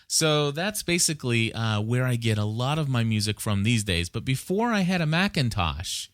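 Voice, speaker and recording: A man talks as a podcast host in a casual, explanatory style. His pitch sits in the middle range and he wanders into conversational asides. The sound is close and dry, with very little room in it. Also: big pitch swings, normal speed, dry recording.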